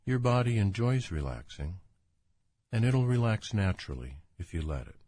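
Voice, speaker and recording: A man with a deep, low voice guides a relaxation meditation. His delivery is calm, soothing and unhurried. The recording is dry and close, with no room sound. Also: no room sound. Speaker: doctor guiding a relaxation exercise.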